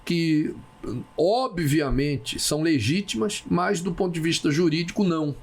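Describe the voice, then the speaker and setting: A man with a gravelly, husky voice hosts a relaxed conversation. His pitch sits a little high, and he stops and restarts often, repeating words as he looks for the right one. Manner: halting, repeats words while searching for them. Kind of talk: casual talk show conversation.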